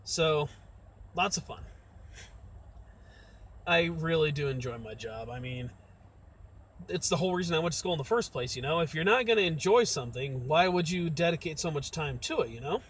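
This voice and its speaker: A man's voice: a little high, expressive, normal speed, pauses often, husky. A young man chatting casually to his live-stream viewers from inside a car, rambling in a friendly way. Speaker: massage therapist vlogger. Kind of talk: casual live-stream chat while driving. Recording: loud road and car noise.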